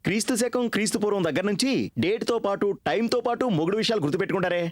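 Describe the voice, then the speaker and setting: A man's voice: high voice, very fast, no room sound, lightly acted. A man playing a boastful husband who teases and bickers with his wife in a dubbed comedy film. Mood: teasing.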